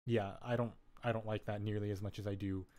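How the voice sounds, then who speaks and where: A man's voice: lowish voice, little pitch movement, quick pace, dark tone. A man hosting a casual live-stream tutorial, rambling and correcting himself with lots of "um" and "like", with jokey asides. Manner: laid-back, jokey asides. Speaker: live-stream host teaching vocal synth tuning. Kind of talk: casual technical walkthrough.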